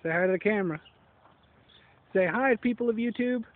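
A man's voice: sits high, fairly quick. A man filming a home video outdoors, giving short coaxing instructions in casual family chat, recorded as old camcorder audio. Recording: thin lo-fi camcorder sound.

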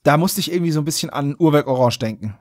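A man's voice: a little high, rapid-fire, darkish tone. A man hosting a podcast, recapping a story in a casual, wry, joking way. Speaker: podcast host.

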